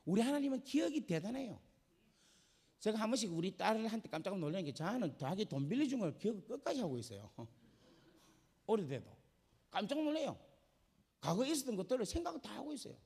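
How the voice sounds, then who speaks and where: A male pastor preaches a sermon. He swings from fervent shouting to soft, conversational asides. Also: high-pitched, sing-song, fast talker, gravelly, pauses often, husky. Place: church sanctuary. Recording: long church reverb.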